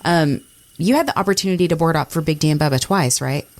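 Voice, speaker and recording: A woman's voice: deep voice, quick pace, darkish tone. A woman co-hosting a podcast, asking questions in casual conversation. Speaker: podcast co-host, interviewer. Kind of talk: casual interview chat.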